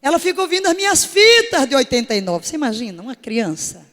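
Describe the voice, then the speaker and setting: A woman's voice: high voice, sing-song, quick pace, a bit bright, in a large hall. A woman preaching a sermon to her congregation in an emphatic way, full of rhetorical questions. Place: church service.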